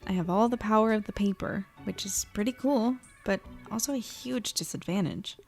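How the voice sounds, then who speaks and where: A woman's voice: medium pitch, moderate pace, vocal fry, darkish tone, close to an everyday voice. Young small-town newswoman played by an actress for an audio drama: natural, musing, anxious, mid-range voice, light music bed. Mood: musing, uneasy. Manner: conversational, musing, self-doubting. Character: earnest, anxious young small-town newspaper reporter woman.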